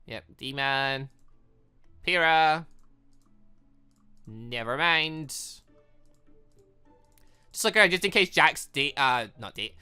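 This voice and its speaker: A man hosts a gaming video with a bright, punchy voice that jumps around in pitch. He rambles and reasons out loud as he plays, over soft background music. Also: animated, slow pace, long pauses, smooth. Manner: rambling, thinks aloud. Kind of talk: let's-play commentary mixed with reading dialogue aloud.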